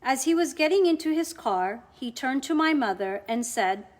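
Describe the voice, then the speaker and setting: Higher-pitched woman reading devotional testimony. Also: animated, moderate pace. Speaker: devotional reader.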